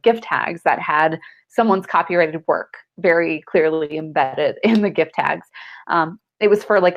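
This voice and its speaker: Congested lawyer woman on a video call, low gravelly voice, dull lo-fi sound. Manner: friendly, laughs often, many ums. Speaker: guest attorney. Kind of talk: casual video chat interview.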